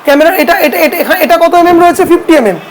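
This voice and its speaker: Woman, Bengali accent, high-pitched, photography teacher, asks and answers her own questions, faint background hiss. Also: lively intonation, racing. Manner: asks students questions and answers them herself. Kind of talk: classroom lesson.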